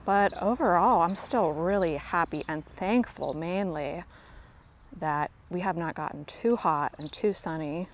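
Garden vlogger, woman, lowish voice, casual friendly walk-and-talk outdoors, faint birdsong behind. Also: measured pace, a little hiss or hum. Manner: chatty and self-deprecating, talks to viewers as friends. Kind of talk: casual garden tour narration. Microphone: handheld phone camera, speaker off screen.

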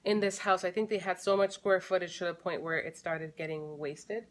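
A woman's voice: lowish voice, flat delivery, moderate pace. A woman in her thirties chatting casually to camera in her living room, thinking aloud with fillers and restarts. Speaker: family vlogger. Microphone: camera close in front.

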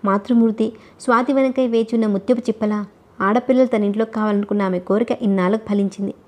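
A woman narrating a novel as an audiobook reader, in a steady, even storytelling manner. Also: fairly high pitch, fast talker.

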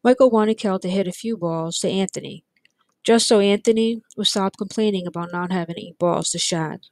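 A woman's voice: medium pitch, brisk, no room sound. Woman reading a story, dry sound. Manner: steady, plain storytelling with light character voices. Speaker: audiobook reader. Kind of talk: read-aloud narration.

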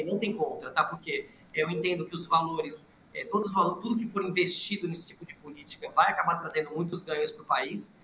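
A man in his forties talks fast on a video call, with a bright, lively voice and quick restarts. He sits in a room with blinds behind him, and his voice carries a clear roomy echo with a faint background hum. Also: sits high. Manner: quick, energetic explanation with restarts. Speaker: economist interviewed as guest. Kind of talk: live remote news interview.

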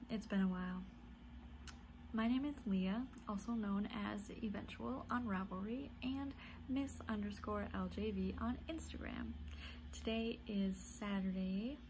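A woman's voice: mid-range voice, a little slow, background noise. A woman in her thirties with a stuffy, congested nose, hosting a knitting video podcast in a chatty, rambling way with small laughs. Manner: chatty, rambling, frequent little laughs and ums. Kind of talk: casual chatty monologue to camera. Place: home room with yarn shelves.

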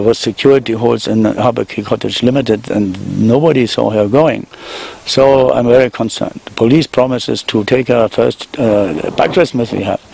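An older German man speaks with a German accent and a gravelly, husky voice. He makes a halting, earnest appeal outdoors among garden shrubs, talking into a handheld microphone. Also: mid-range voice, mellow. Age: 60s. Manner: earnest, halting, with many restarts. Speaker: interviewee. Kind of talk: emotional appeal in a news interview. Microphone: handheld microphone held below the frame.

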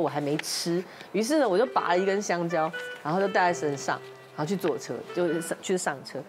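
Lively woman telling a story fast. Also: lowish voice. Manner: lively, animated retelling with quoted dialogue. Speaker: guest. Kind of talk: storytelling on a talk show. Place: TV studio.

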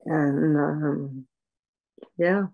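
Slow, soft-spoken older woman on a video call. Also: sits low, fairly even intonation, vocal fry, narrow, tinny audio. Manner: slow, halting, with many pauses and fillers. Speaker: patient. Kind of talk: personal account in an interview. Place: room at home. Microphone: video call webcam.

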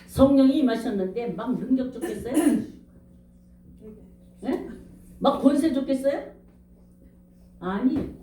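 A woman's voice: high voice, animated, a little slow, long pauses, warm tone, far from the mic, a little hiss or hum. Emphatic woman pastor preaching, echoey church. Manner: emphatic, calls out questions to the congregation. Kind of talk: revival sermon. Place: church sanctuary. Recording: echoey room, speaker off-mic.

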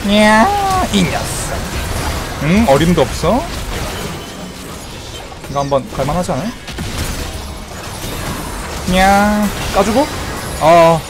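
A man streaming a video game with live commentary, excitable and trash-talking playfully, shouting sound effects between slow remarks. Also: sits high. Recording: game music playing behind.

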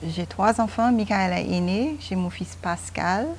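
A woman's voice: mid-range voice, unhurried, a little hiss or hum. A woman in her fifties from Guyana, a guest speaking hesitantly with many fillers on a home veranda. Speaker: interview guest, mother.

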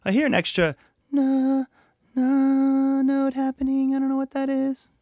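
A man's voice: very high voice, steady tone, measured pace, dark tone. A man in his thirties hosting a music reaction video in a small home studio, chatty and rambling with lots of fillers. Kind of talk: casual reaction commentary. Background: faint music playing.

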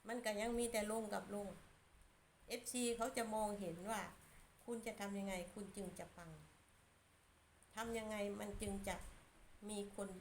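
A woman's voice: medium pitch, a little hiss or hum. A woman giving a blunt, scolding opinion monologue as a channel commentator.

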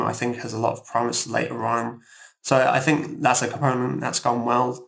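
A man speaking casually as an interview guest, thoughtful and halting, pausing often as he explains his composing work. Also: medium pitch, creaky, a bit bright.

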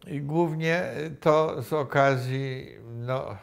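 An older man being interviewed, recalling the past slowly with many pauses and restarts, recorded on a lapel mic in a room. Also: medium pitch, creaky, clean tone. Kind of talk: reflective recollection. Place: indoor room with wooden cabinets.

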